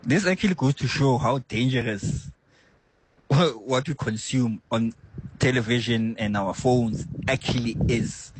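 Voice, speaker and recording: A man's voice: mid-range voice, unhurried, husky, dry recording, rough recording. A man phoning a radio show, hesitant with many fillers, warning about cartoons. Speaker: caller.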